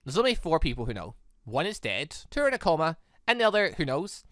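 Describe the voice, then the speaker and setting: Weary soldier woman in a game, read out by a man; low, flat, dry delivery. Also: fast talker, no echo. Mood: grim.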